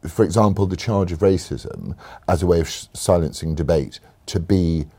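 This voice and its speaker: A man hosting a casual political chat, animated and jokey, with sudden mocking asides. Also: low voice, normal speed, husky. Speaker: interviewer and podcast host.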